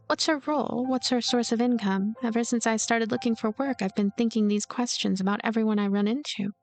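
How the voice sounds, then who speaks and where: Woman as a cynical girl narrator, slightly high voice. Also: fairly quick, darkish tone, natural voice. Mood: wry, puzzled. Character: cynical lonely girl narrator, blunt, scheming, quietly seething. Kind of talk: first-person visual novel narration read aloud.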